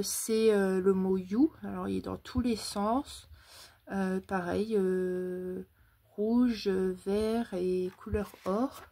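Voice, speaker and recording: A woman's voice: mid-range voice, a little mellow. A woman presenting a craft haul, describing papers with many hesitations. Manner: hesitant, many fillers, describing items slowly. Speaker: craft YouTuber. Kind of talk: casual haul video.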